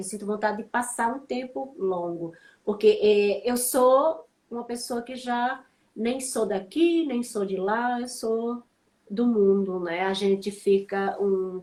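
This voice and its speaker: Very slow, fairly high-pitched female speech with a normal amount of pitch movement. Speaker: lawyer. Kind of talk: casual chat. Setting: video call.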